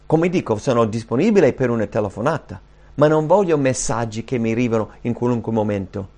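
A man preaching a sermon, earnest, rising and slowing down when he quotes scripture. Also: mid-range voice, animated, darkish tone. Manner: earnest, rises and slows when quoting scripture.

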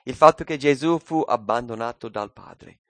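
A man preaching a sermon, swinging between loud, raised cries and hushed, low phrases. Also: animated, normal speed, vocal fry, no echo.

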